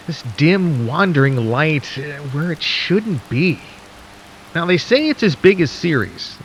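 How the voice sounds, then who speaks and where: A man playing a folksy late-night radio DJ in a radio drama, speaking intimately and conversationally to listeners with theatrical pauses and a skeptical, intrigued air. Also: medium pitch, a bit bright, slight background noise. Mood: ominous, intrigued. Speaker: radio host.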